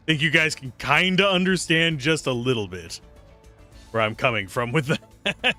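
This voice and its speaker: A young man commenting casually on a game he is streaming, chatty and jokey, with a slightly raspy voice. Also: a little high, sharp tone. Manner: chatty, jokey, reacts aloud.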